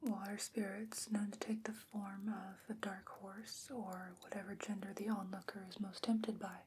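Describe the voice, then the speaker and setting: A woman's voice: medium pitch, flat delivery, close to an everyday voice. Whispering, thoughtful sorceress played by a woman, background noise. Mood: studious, musing. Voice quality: breathy, whispery, hushed. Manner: measured, gentle, pondering with pauses. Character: thoughtful fantasy sorceress, learned in sea creatures. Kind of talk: soft-spoken ASMR fantasy roleplay.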